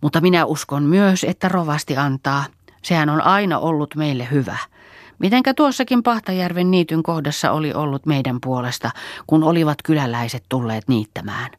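A woman's voice: low voice, expressive, dry recording, clean studio sound. A woman reading an eager young peasant girl.

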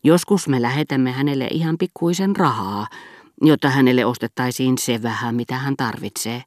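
A woman's voice: rumbling low, a little mellow, dry recording, clean studio sound. A woman audiobook reader voicing a middle-aged father who soothes and hesitates. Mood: soothing.

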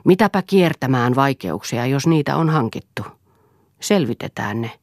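A steadfast wife standing her ground, read by a woman in an audiobook. She speaks firmly and resolutely in a low, dry, close voice. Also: expressive, no room sound, heavily acted. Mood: defiant. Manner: firm, resolute.

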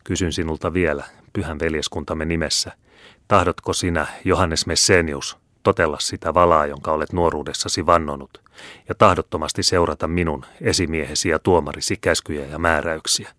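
A man's voice: extremely low pitch, steady tone, pushed and bright, no echo, studio quality. A man voicing a haughty, domineering older Jesuit superior who speaks in a scornful, commanding way in a storybook reading.

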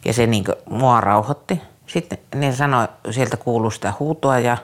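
A man, a former youth care counselor, telling a personal story in an interview in a halting, earnest way, often restarting his sentences. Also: mid-range voice, a bit bright.

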